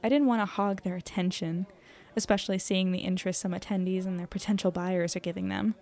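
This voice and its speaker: A woman's voice: mid-range voice, fairly even intonation, fast talker, gravelly, a little mellow, some chatter behind, close to an everyday voice. A woman playing an earnest, self-deprecating young podcaster, chatty and descriptive as she narrates her evening in an audio drama. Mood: admiring, composed.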